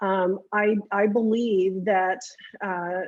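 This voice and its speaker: A woman with a normal speaking voice talks at medium pitch with fairly even intonation. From Texas, San Antonio. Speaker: public commenter at a hearing. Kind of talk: public testimony.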